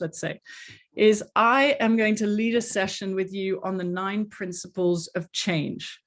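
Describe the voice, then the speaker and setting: A woman's voice: mid-range voice, a bit bright. A middle-aged woman with a mixed international English accent that is hard to place, hosting an online workshop as a coach in an earnest, chatty way with many fillers, speaking over a video call.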